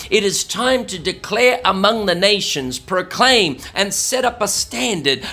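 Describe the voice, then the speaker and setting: A man with a high pitch speaks in a raised, projected voice with lively intonation. His pace is fairly slow, and background noise is noticeable. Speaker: pastor. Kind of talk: prophetic utterance and prayer.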